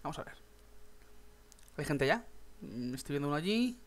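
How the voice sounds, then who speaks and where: Excitable young gamer, higher voice. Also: male voice, moderate pace. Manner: chatty, swears, bursts into excited shouts. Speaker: gaming YouTuber. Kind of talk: casual gameplay commentary.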